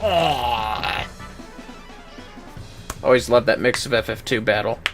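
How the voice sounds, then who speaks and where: A man's voice: medium pitch, takes it slowly, over music. A man livestreaming a game with casual, cocky, sweary commentary. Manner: sweary, cocky trash talk.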